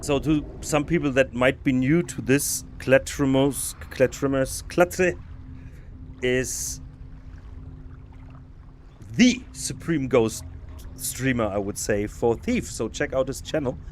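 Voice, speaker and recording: Slight background noise accompanies a mid-range male voice that moves slowly and pauses often. The speaker, a podcast host, is live-streaming a stealth game, musing to himself, chatting casually with viewers and frequently restarting sentences.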